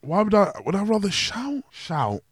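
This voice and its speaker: A young man, chatting loudly on a podcast and often restarting his sentences. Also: high-pitched, very animated, moderate pace, slightly rough, no room sound, clean studio sound. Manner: loud, projecting voice, stumbling restarts. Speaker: podcast host. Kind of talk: casual chat.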